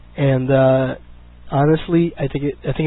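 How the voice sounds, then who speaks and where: This is a man with a fairly high pitch. He speaks in a monotone, flat intonation. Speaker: podcast host. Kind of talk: casual chat.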